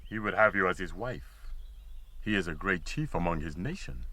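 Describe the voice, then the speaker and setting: An actor playing a grave, fair-minded tribal elder in a radio drama, questioning in a formal, weighty manner. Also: male voice, low-pitched, lively intonation, normal speed, sharp tone, full character voice.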